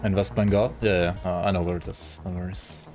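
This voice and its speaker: A man's voice: low voice, level tone, fairly quick, darkish tone, faint music behind. A man streaming a game, chatting casually and rambling with his viewers as he thinks aloud. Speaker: gaming livestreamer. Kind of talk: casual chat with viewers while gaming.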